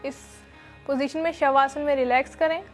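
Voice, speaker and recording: A young woman teaching yoga in a studio, giving calm step-by-step instructions with many fillers, on a lapel mic. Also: sits high, normal speed, faint music behind. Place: studio with red floor and dark curtains.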